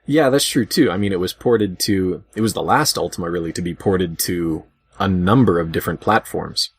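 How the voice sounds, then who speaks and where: Low-voiced man hosting a casual discussion. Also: normal speed, breathy edge. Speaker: podcast host.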